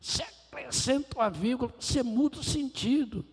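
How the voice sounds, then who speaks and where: Preacher man doing jesus as a strict patient teacher, husky high voice, echoey church. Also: normal speed, exaggerated voice. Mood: instructing. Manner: firm, insistent, instructing step by step.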